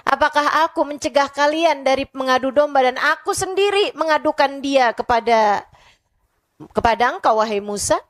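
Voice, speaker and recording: Lively woman preacher telling stories. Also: high voice, moderate pace. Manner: lively storytelling, acts out voices of the people in her stories. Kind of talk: sermon to young women.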